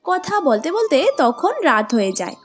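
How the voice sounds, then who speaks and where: Female narrator: high, lively scripted storytelling for children. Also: a little slow, soft background music.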